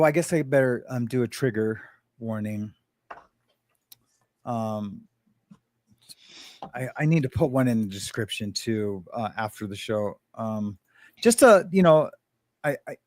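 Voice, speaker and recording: A man co-hosting a live chat stream, loose and rambling, often laughing and restarting his sentences. His voice sits at a middle pitch for a man. The sound is close and dry, with no room echo. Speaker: livestream co-host.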